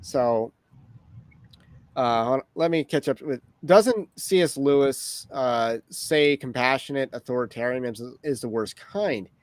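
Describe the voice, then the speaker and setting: Here a man hosts a relaxed livestream, moving through topics at a measured pace with wry, rambling tangents. His pitch is ordinary mid-range, and the recording is close and dry, free of room sound.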